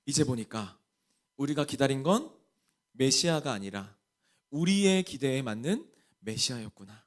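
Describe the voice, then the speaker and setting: Preaching to a young adults group, a male pastor from Jeolla, Korea, uses a Jeolla Korean accent and asks the congregation lots of questions. His pitch is fairly high.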